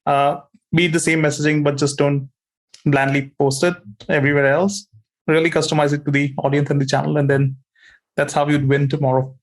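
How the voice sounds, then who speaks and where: A man with a somewhat high voice hosts an interview. He sums up the guest's points politely and moves on with short questions. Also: little pitch movement, fairly quick. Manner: brief, summarizing, polite. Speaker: podcast host.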